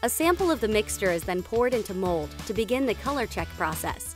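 A woman talks at a moderate pace while music sounds behind her. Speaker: voice actor. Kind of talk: product narration voice-over.

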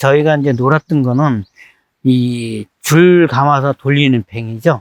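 A man speaks at a medium pitch with ordinary pitch variation. His pace is very slow, and the sound is dry and close with no echo. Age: 60s. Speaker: architect, interviewee. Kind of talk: interview answer, recalling childhood games.

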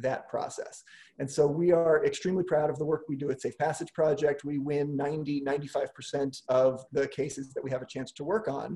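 A man's fairly high, somewhat breathy voice with a dark, mellow tone, fairly even intonation and a fairly slow pace. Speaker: nonprofit executive director. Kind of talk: panel discussion. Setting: video call. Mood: earnest, proud. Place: home room. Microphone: video call.

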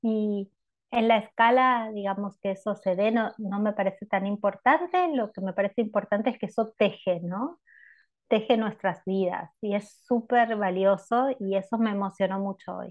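A woman with an ordinary speaking voice talks at a fairly slow pace. Her pitch is medium, with ordinary pitch variation. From Corrientes, Argentina. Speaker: festival ambassador. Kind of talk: casual interview chat.

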